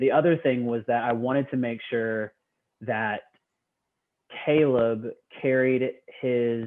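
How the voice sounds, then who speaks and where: A man with an American accent speaks at a very slow pace, with long, frequent pauses. His pitch sits in the medium range and his intonation stays fairly even. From US South. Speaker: actor. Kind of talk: interview. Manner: casual, with fillers.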